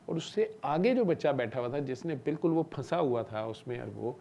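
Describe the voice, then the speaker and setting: A man telling a long personal story in a relaxed, conversational way. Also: mid-range voice, gravelly, slight background noise. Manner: relaxed conversational, often asks "okay?". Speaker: doctor. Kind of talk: casual storytelling talk.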